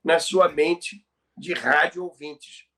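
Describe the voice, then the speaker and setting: A Brazilian man co-hosting a podcast, telling stories about radio history in a halting way that repeats words. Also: a little high, fairly even intonation, a crowd in the background. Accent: Brazilian Portuguese. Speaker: podcast co-host.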